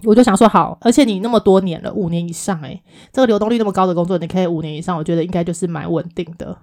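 Woman, podcast co-host, rapid lively storyteller. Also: on the low side. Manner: lively storyteller, acts out the other people's replies. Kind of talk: casual chat, telling a work story.

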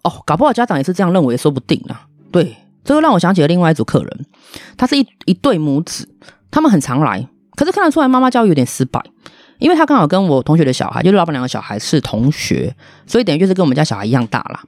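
A woman hosts a casual monologue and tells her story with blunt indignation. Her voice swoops up and down, and the words tumble out rapidly. The recording is dry and close. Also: sits low, very animated, a little mellow, dry recording. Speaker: podcast host, restaurant owner.

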